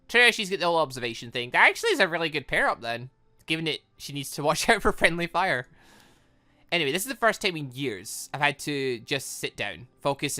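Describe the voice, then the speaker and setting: Male gaming host, bright forceful voice, lively swings in pitch, close dry sound with faint music underneath. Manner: excitable, animated, thinking aloud. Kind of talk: let's play commentary, reading game dialogue aloud.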